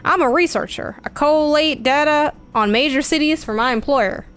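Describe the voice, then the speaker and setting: A woman's voice: sits high, normal speed, a bit bright, faint music behind, pitched above the performer's own voice. A woman voicing a sly male robot tech researcher with a folksy country drawl.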